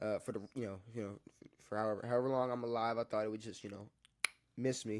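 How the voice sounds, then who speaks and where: In a medium pitch, a man talks very fast yet with long, frequent pauses, his intonation monotone and flat. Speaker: sports podcast host. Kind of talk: casual chat. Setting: podcast recording. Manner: halting, many fillers.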